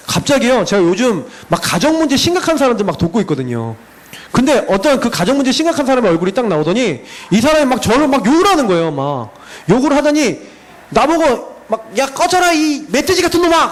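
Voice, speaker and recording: A middle-aged male pastor preaching to a youth group in a lively, animated way, telling stories and laughing. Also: high-pitched, low-quality recording.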